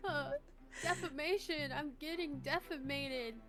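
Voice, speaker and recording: High-voiced woman over clear game music. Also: unhurried, a bit bright. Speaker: let's play co-host. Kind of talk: casual banter and reading game dialogue aloud. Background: video game music.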